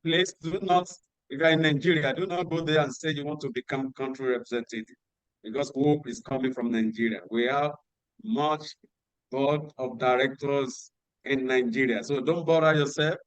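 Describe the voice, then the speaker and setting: A man hosting an online workshop on a video call, giving instructions and repeating key details slowly. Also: mid-range voice, fairly even intonation, dry recording, poor audio. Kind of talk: announcements at an online meeting.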